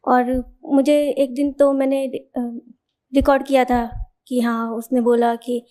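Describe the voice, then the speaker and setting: A woman from the audience asking the teacher a question, speaking softly and hesitantly. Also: sits high. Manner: hesitant, soft-spoken.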